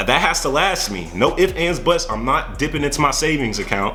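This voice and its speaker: In an animated tone and at a fairly quick pace, a man speaks amid noticeable background noise and audible room echo. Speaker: army officer and vlogger. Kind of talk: casual vlog advice.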